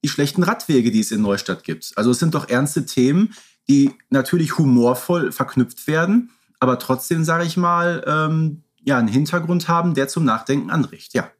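A man's voice: on the high side, expressive, moderate pace. A man co-hosting a podcast, giving his opinions emphatically in a conversational style. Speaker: podcast co-host.

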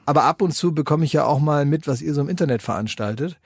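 A man's voice: on the high side, fast talker, slightly rough, dry recording, studio quality. A man co-hosting a podcast who tells long, rambling anecdotes full of fillers in casual banter. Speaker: podcast co-host.

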